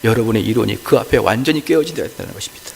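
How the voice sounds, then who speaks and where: A man's voice: on the low side, lively intonation, quick pace, creaky, slight background noise. A male pastor preaching a sermon in a church, asking rhetorical questions and building to emphatic peaks. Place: church sanctuary. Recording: church hall with long reverb.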